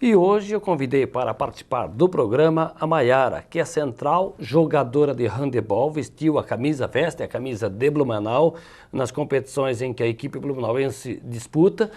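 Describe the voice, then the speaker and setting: A man's voice: medium pitch, expressive, moderate pace, a little mellow. Brazilian man hosting a sports talk show. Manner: formal broadcaster delivery with folksy follow-ups. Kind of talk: local TV sports interview. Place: TV studio.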